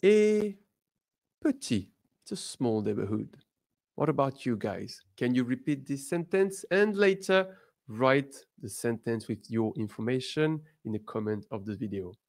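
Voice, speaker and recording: A man teaching a beginners' lesson, drawing out model words slowly and breaking into lively emphatic bursts. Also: mid-range voice. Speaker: French teacher.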